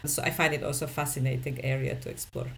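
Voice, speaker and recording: A woman's voice: a bass voice, little pitch movement, fast talker, creaky, slight background noise. A woman in her forties, a trainer and facilitator, talking reflectively as a podcast guest. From Serbia. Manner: reflective, talkative. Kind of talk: podcast conversation.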